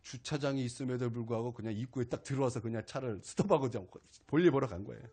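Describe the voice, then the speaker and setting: A male pastor preaching a weekday sermon, telling a personal story in an animated way. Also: medium pitch, fast talker, husky. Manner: animated storytelling, acts out his own angry outburst. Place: small church service.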